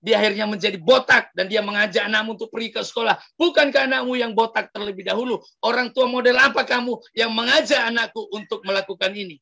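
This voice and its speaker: An angry father yelling accusations from outside a house, played by a preacher. His voice is raised, bright and gravelly. He scolds with sharp indignation. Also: sits high, fast, hardly any pauses, pitched above the performer's own voice, full character voice. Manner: shouting, accusing.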